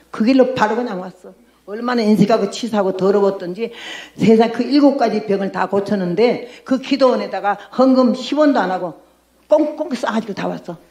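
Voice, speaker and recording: An older woman missionary giving a lively testimony sermon, telling her story and acting out her own past words. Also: medium pitch. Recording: echoey room.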